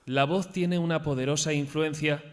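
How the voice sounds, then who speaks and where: A man's voice: on the high side, fairly even intonation, normal speed. A man reading one sentence again and again with different intonation, as a recorded demonstration sample.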